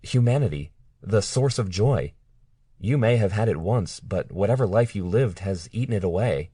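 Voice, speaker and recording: A man's voice: on the low side, expressive, moderate pace, mellow, husky, no room sound, studio quality, voice pushed up. A man voicing a defiant, frightened young captive woman in an audiobook, speaking in an earnest, pleading way. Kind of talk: audiobook character reading.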